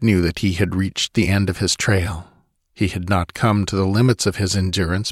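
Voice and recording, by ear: With fairly even intonation, a natural voice reads aloud over a quiet background.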